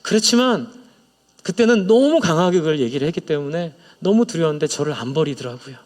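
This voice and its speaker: High-voiced man preaching in echoey church. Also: expressive, fairly quick. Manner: earnest, personal confession with exhortation; leads congregation in prayer. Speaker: pastor. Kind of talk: sermon. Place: church sanctuary.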